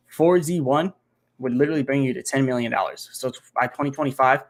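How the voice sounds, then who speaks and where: A man hosting a casual livestream Q&A from his home computer, thinking aloud and working out numbers with many fillers. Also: mid-range voice. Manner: rambling, thinks aloud while doing math, many fillers. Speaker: crypto channel host. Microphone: home computer setup, single monitor.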